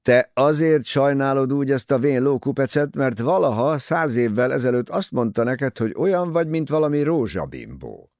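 A man voicing a teasing, easygoing young English gentleman talking with his mother in an audiobook. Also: mid-range voice, lively intonation, few pauses, dry recording, studio quality, voice pushed up, natural voice. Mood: wry teasing. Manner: wry, teasing.

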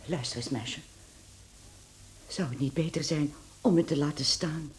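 A woman's voice: sits low, unhurried, a little hiss or hum. An actress playing a doting, anguished mother of a grown son in a radio play, tender, emotional and pleading. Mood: worried.

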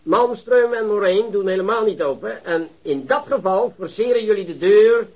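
High-pitched, bossy, pompous prosecutor. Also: male voice, lively intonation, moderate pace, darkish tone, lo-fi sound. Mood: self-satisfied, dictating. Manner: pompous, schematic, commanding. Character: bossy, pompous prosecutor commanding a police raid briefing. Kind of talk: Dutch radio drama acting.

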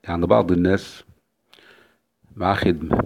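A man's voice: sits low, little pitch movement, normal speed, vocal fry, darkish tone. A male Islamic preacher giving an emphatic religious lecture, repeating key phrases for weight. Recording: dull lo-fi recording.

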